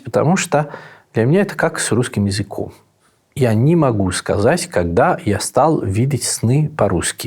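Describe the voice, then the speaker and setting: A man who is not a Russian speaker, a priest answering interview questions in a slow, thoughtful way with frequent pauses. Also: mid-range voice, a little mellow, breathy edge. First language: Italian. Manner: unhurried, thoughtful, frequent hesitations. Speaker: Orthodox priest and monk, interview guest. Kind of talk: reflective conversational answers.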